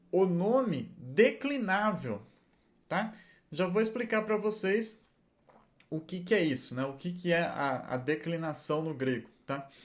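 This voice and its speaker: A man giving a patient lesson, explaining step by step and checking in with his listeners often. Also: high-pitched. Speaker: Hebrew and Greek teacher.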